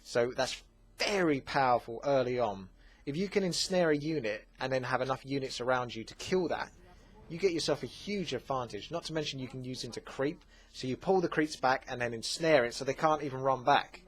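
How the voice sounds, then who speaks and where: A man with an Essex accent reads out viewer questions and answers them in a relaxed, chatty way. His voice sits in a middle register, and he talks easily, with plenty of fillers. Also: medium pitch, brisk. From England. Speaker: gaming channel host. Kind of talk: casual Q&A commentary.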